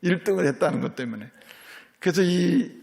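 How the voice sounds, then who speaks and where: A middle-aged man, a senior pastor, preaching a sermon as a lively storyteller who keeps checking in with his congregation. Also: high-pitched, brisk, creaky. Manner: lively storytelling preacher, voices characters in quotes, asks "예?" of the congregation.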